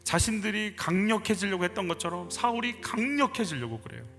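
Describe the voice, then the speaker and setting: A male pastor delivering a sermon, retelling a story with lively, acted-out dialogue. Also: high-pitched, brisk. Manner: animated storytelling, acting out quoted dialogue. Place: church sanctuary. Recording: church hall reverb with music behind.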